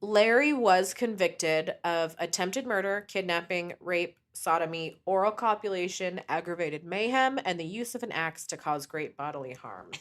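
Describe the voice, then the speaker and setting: Animated woman telling a crime story. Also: lowish voice, normal speed, hardly any pauses. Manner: animated storytelling, frequent swearing. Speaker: podcast co-host. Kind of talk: casual true crime podcast chat.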